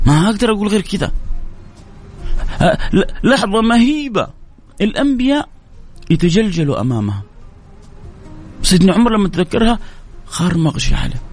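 A man's voice: high voice, very animated, a little fast, pauses often, a little mellow, slightly rough, soft background music. A man preaching an emotional sermon, pleading and repeating phrases with stammered restarts.

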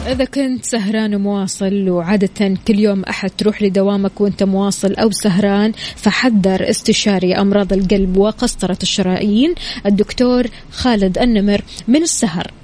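A woman presenting a morning radio show in an upbeat, expressive, chatty way, talking straight to listeners. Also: medium pitch, brisk. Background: music bed under the voice.

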